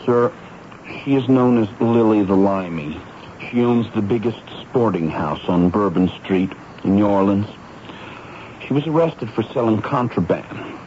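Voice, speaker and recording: An actor playing a formal, matter-of-fact junior army officer in a 1970s radio drama. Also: male voice, lowish voice, animated, unhurried. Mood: formal, factual. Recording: muffled, lightly noisy 1970s radio recording.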